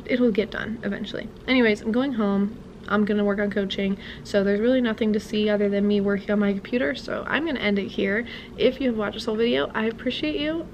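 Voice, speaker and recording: A woman's voice: mid-range voice, slight background noise. A young woman, a music teacher, chatting casually and rambling with laughs as she vlogs from her car. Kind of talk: casual vlog chat.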